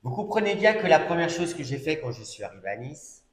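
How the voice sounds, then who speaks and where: Speaking a little fast in a sing-song voice on the high side, a middle-aged preacher delivers his personal testimony as a sermon. He tells the story conversationally, wandering into asides and fillers, and the church hall recording is echoey.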